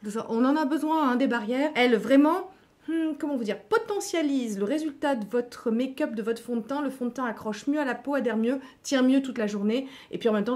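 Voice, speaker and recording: Chatty middle-aged woman, bright higher voice. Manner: chatty, playful asides, frequent hesitations. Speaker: beauty vlogger. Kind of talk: chatty makeup tutorial.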